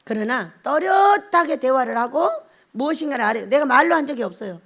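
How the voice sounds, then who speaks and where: A woman's voice: sits high, lively intonation, a little fast, a bit bright. A woman pastor giving a blunt, scolding sermon and acting out little scenes as she preaches.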